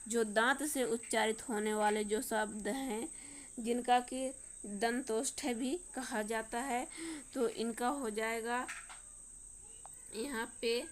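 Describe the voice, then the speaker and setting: A woman's voice: on the high side, a little hiss or hum. A woman teacher with a Madhya Pradesh Hindi accent, working through a worksheet and sounding out each letter one by one. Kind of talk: worksheet lesson walkthrough.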